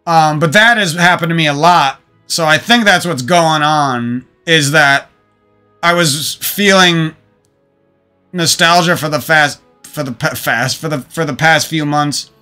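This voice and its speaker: Soft music plays while a male gaming streamer with a fairly high voice complains to viewers about his exes, talking into a desk microphone at home. He goes slowly, sounding bright, forceful, clear and resonant, and his profane, rambling rant keeps starting over.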